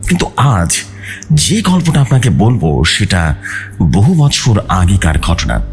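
A man's voice: fairly low pitch, big pitch swings, slow pace. A man reading a scripted horror story aloud in a suspenseful, theatrical way. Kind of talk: dramatic scripted horror narration, read aloud. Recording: music bed behind the voice.

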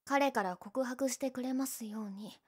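A woman's voice: high voice, normal speed, husky. A young woman playing a teasing, prickly, secretly lovestruck tsundere childhood friend in a romantic audio drama. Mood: shy, confessing. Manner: bratty teasing, flustered, emotive.

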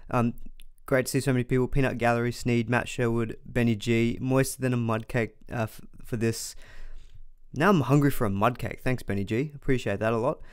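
A man's voice: medium pitch, fairly even intonation, fairly quick, smooth, no room sound. Thirties male host, mild cold congestion, casual chatty delivery, dry close sound. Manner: chatty, reads viewer comments aloud, frequent restarts. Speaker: fantasy sports live stream host. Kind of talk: casual live stream chat.

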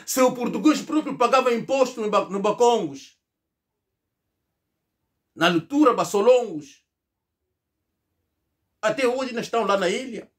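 A middle-aged man from Angola speaks to a fixed camera in a small indoor room, his voice pitched high. He delivers a rhetorical political monologue, stressing each point and mocking the replies he imagines. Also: animated, measured pace, long pauses. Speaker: political commentator. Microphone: fixed camera, seated at medium distance.

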